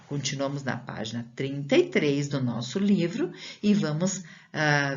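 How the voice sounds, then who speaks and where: A woman's voice: sits low, highs cut off. A Brazilian woman teacher giving a recorded lesson to children, explaining patiently, stretching out syllables and asking the pupil questions as she goes. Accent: Brazilian Portuguese.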